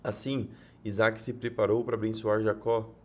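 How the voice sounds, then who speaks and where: A man with a Brazilian Portuguese accent reading Bible passages aloud in a measured way, now and then correcting a word. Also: fairly low pitch, level tone. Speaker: Bible reader.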